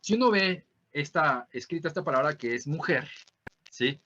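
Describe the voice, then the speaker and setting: Bright-voiced Mexican teacher, lo-fi call audio. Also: male voice, a little high, expressive. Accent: Mexican Spanish. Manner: explanatory, peppered with tag questions; repeats words slowly to model pronunciation. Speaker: language teacher. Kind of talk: online class lecture.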